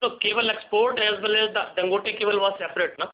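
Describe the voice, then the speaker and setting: A man's voice: sits high, steady tone, quick pace. A man with an Indian accent giving brief answers as a finance executive on a call. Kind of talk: brief answers to analyst questions. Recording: dull, muffled call audio.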